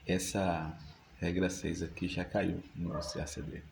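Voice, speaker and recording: Guy teaching grammar, deep voice, noisy background. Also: little pitch movement, gravelly. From Brazil. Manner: slow, deliberate dictation of examples. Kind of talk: reading grammar rules and word lists.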